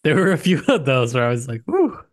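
Male co-host, medium pitch, informal and slightly hesitant conversational delivery, dry room sound. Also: wildly swooping pitch, a little fast, no echo. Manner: informal, hesitant, hedging with asides. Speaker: podcast co-host. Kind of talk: casual book discussion.

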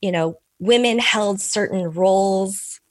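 A middle-aged Korean American woman, an author appearing as a podcast guest, answers interview questions in a thoughtful, measured way with soft laughs and restarts. Korean was her first language, and she immigrated as an infant. Her voice sits at medium pitch, with no room sound.

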